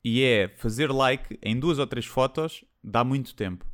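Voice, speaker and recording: A man's voice: medium pitch, unhurried. A man chatting casually, joking dryly and explaining things. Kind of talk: casual chat.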